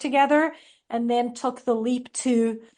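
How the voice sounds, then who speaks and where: Speech in a South African accent at a moderate pace, fairly even in intonation, over a quiet background. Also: woman. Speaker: franchise marketing consultant. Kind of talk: podcast interview.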